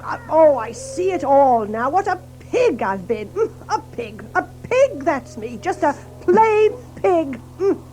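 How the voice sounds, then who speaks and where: High, lively, chummy water rat. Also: female voice, unhurried, a little hiss or hum, poor audio. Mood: concerned, contrite. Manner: hearty, old-fashioned chummy coaxing. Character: kindly, bustling, chummy male water rat. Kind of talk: audio drama storybook acting.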